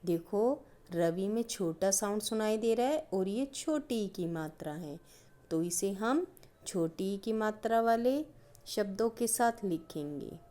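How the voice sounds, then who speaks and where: Slow, patient woman teacher. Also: mid-range voice, animated, warm tone. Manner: slow, drawn-out stressing of each example word; patient, addresses pupils as "children". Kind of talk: primary-school grammar lesson.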